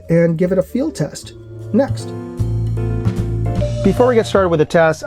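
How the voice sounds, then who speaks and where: A man with a slightly high voice talks through a product review in a casual, explanatory way. He speaks like an independent channel host showing gear hands-on, with some music behind him. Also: darkish tone.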